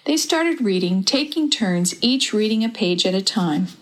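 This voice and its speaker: Woman reading a kids story, steady warm voice, middle pitch. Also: moderate pace, soft background music, low-quality recording. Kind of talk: dramatized children's story reading.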